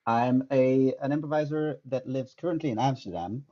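A French man in his thirties, an improv teacher with a French accent, answers interview questions thoughtfully in a medium-pitched voice at normal speed, full of fillers and restarts. He's on a headset during a video call from a small indoor room, and the lo-fi call audio sounds dull.

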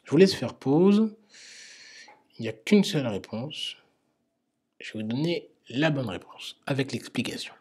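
Male medical teacher, husky, hesitant explainer, quiz lecture. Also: mid-range voice, big pitch swings, a little slow, long pauses, a little mellow.

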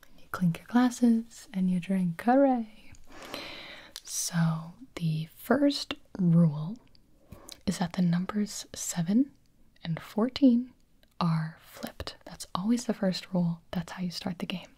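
A young woman in her twenties whispering in a breathy voice, chatting playfully as she explains party games in an ASMR style. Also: on the low side, takes it slowly, warm tone. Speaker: ASMR creator.

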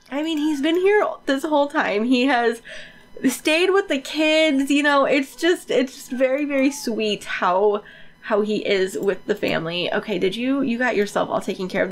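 A woman with a stuffy nose from a cold, giving chatty, informal game commentary as a channel host, repeating words for emphasis. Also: on the high side.

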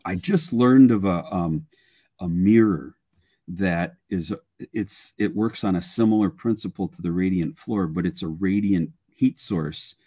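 A man's voice: deep voice, a little slow, dark tone, breathy edge. An older man speaking as a guest expert, explaining technical matters informally on a webinar video call. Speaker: guest expert, structural engineer and sales manager.

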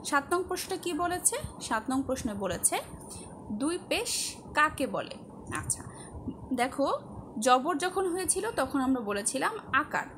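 A woman with a high, bright voice gives a lesson to young children, patient and repetitive. She puts simple questions to the class and answers them herself. A faint hum of ambient noise sits behind her. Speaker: teacher.

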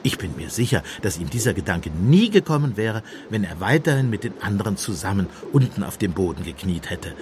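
A mild priest detective in a radio drama, deep-ish voice that rises and falls a lot, musing and probing. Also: male voice, background noise. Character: gentle, shrewd priest-detective, mild-mannered, quietly probing. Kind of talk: German radio play acting.

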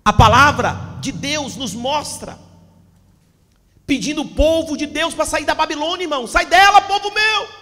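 A man in his forties preaches with fiery fervor, his very high, bright, forceful voice often rising to a shout. He holds a handheld mic, and the sound carries a long reverb from the church hall around him. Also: moderate pace. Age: 40s. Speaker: pastor. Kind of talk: impassioned Pentecostal sermon. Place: church hall with a stage backdrop. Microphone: handheld microphone.

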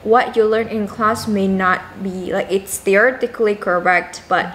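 A young woman from Indonesia hosting a relaxed video-call chat, talking loosely with many fillers through an earphone mic. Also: medium pitch, moderate pace, a little hiss or hum, low-quality recording. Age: young adult. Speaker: host. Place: room indoors.

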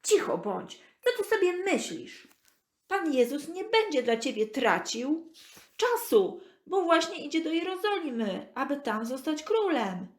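Bossy crowd passer-by acted by a woman, Bible tale for children: raised pitch, insistent calling, roomy echo. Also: big pitch swings, measured pace. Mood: angry scolding. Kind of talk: children's Bible audio story. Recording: echoey room.

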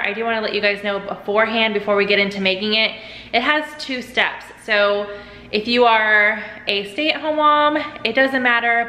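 A woman's voice: fairly high pitch, sharp tone. Woman in her thirties, home kitchen cook-along, chatty, upbeat, step-by-step, close camera mic. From United States. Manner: chatty and upbeat, walks viewers through each step. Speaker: cooking channel host. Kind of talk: casual cook-along vlog. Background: dishwasher running in the background.

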